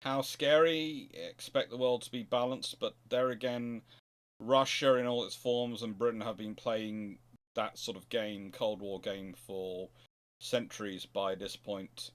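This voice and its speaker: A man with a fairly low voice hosts an informal history question session. He thinks out loud as he answers, wandering through his points and circling back to repeat phrases. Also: steady tone, measured pace. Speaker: host of a naval history question show. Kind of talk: casual rambling answers to audience questions.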